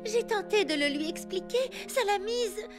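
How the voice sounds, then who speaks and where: Very high, expressive cartoon girl. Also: moderate pace. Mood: hesitant, earnest. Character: friendly, expressive little girls in a children's cartoon. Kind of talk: French cartoon dub acting. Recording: music behind the voice.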